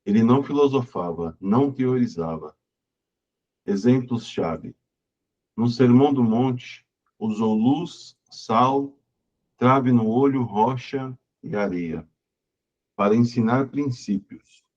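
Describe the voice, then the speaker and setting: Male student, mid pitch, slow measured read-aloud, dull muffled recording. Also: a little mellow. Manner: measured, list-like reading. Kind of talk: reading a text aloud.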